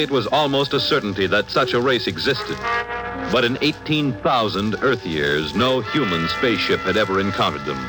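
A man's voice: on the low side, poor audio. A man narrating a 1950s radio drama in a grave, portentous manner.

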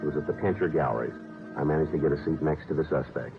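An actor playing a matter-of-fact police detective who narrates in short, flat sentences, in a 1950s radio crime drama. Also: male voice, extremely low pitch, fast, vocal fry, over music. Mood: clipped. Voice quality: flat, clipped delivery. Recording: tinny old radio broadcast.

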